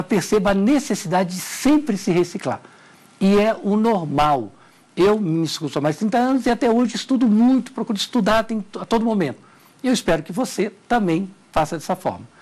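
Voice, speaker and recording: A middle-aged Brazilian man lecturing on TV about legal writing. His voice sits high for a man and swings widely in pitch. He stresses his warnings and says them twice. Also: darkish tone. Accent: Brazilian Portuguese. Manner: emphatic, repeats key warnings. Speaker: law language teacher. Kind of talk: televised lecture.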